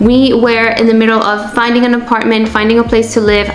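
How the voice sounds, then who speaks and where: Audible room echo and music in the background surround a woman speaking in a fairly high pitch. She talks with a Spanish accent. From Venezuela. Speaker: vlogger. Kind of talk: vlog tutorial.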